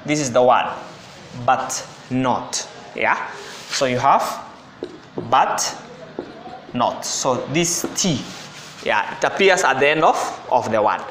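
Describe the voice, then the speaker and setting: A man's voice: medium pitch, lively intonation, slow, pauses often, fairly bright tone, a little hiss or hum. A man teaching an exam-prep lesson, explaining step by step and often repeating and correcting himself. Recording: echoey room.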